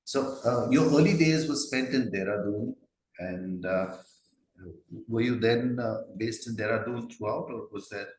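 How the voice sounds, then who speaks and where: A man with an Indian accent hosting a conversational interview in a halting, reflective way. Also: mid-range voice, darkish tone. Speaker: podcast host, interviewer. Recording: echoey room.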